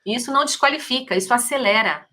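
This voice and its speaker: A woman's voice: on the high side, fast, pushed and bright, a little hiss or hum. A middle-aged woman with a Brazilian Portuguese accent, hosting a podcast interview in a casual, effusive way. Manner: effusive, exclaims often. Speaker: podcast host.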